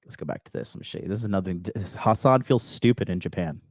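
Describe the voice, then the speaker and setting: A man's voice: sits low, lively intonation, fast talker, dry recording, clean studio sound. A man hosting a reaction show, commenting bluntly and mockingly on a played clip.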